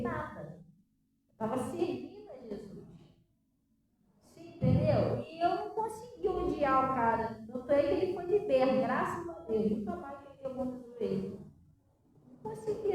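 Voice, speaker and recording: A woman pastor with a Brazilian Portuguese accent preaching a sermon, emphatic and full of rhetorical questions to her congregation. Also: high voice. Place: church hall. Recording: very echoey church hall from far off, faint noise.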